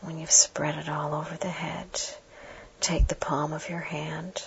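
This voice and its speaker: A woman performs a whispered role-play, intimate and hushed, as if right in the listener's ear, instructing the listener directly. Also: low voice, flat delivery, measured pace. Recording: dull muffled audio with clear background noise.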